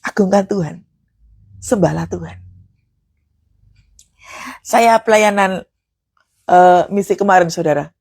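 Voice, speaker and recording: A woman preacher, giving a charismatic sermon. She swings from loud, forceful preaching to hushed prayer. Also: fairly low pitch, takes it slowly, pauses often, breathy edge, dry recording.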